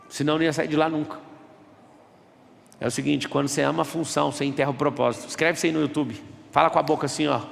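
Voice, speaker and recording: A man with a fairly high, creaky voice gives an emphatic motivational talk at a live event in an auditorium, fielding questions from the audience. He's rhetorical and quotes people in their voices, and the sound is of a large hall.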